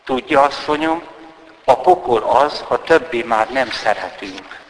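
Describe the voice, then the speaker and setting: A man voicing an earnest village priest who speaks calmly and gravely, recorded in a roomy, echoing hall. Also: medium pitch, slight background noise. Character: earnest young male village priest, gently admonishing. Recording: roomy hall with long reverb.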